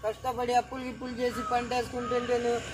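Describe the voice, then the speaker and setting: A man's voice: very high voice, monotone, rapid-fire, a crowd in the background. A man playing a farmer's worried younger brother who scolds him anxiously, outdoors in the fields. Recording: outdoor noise with birds.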